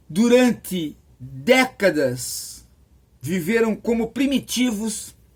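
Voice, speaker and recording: A man's animated, high voice with lively intonation. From interior of São Paulo state, Brazil. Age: 60s. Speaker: philosophy professor and political commentator. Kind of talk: political commentary monologue.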